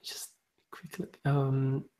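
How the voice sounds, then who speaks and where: A man's voice: medium pitch, completely flat delivery, drawn-out words, mellow, poor audio. A man hosting a casual live-stream book chat who hesitates a lot, with frequent ums, restarts and laughs. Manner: laughs often while talking. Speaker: booktube host.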